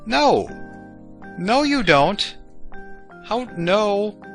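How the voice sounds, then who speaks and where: A man's voice: high-pitched, sing-song, very slow, fairly bright tone, voice pushed up, heavily acted. A man voicing an earnest, polite young princess from a video game, reading her lines in a raised voice. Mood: pleading. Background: video game music.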